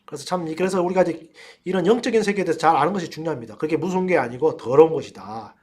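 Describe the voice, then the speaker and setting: A man's voice: a little high, racing, slightly rough. A middle-aged man, a pastor and professor, teaching a seminar in a storytelling way, speaking straight to his listeners. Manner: storytelling, addresses listeners directly, bursts into loud commands. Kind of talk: teaching seminar on casting out spirits.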